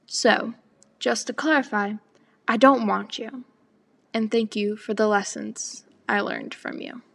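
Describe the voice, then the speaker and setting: Teen girl for spoken word, husky with a gravelly edge, slow and deliberate delivery. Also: mid-range voice, a bit bright. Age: teens. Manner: slow and deliberate, partly whispered.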